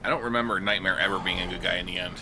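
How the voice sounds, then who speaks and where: A man's voice: sits low, fairly even intonation, racing, background noise. A man in his thirties, a player joking around in casual chat on an online call. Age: 30s.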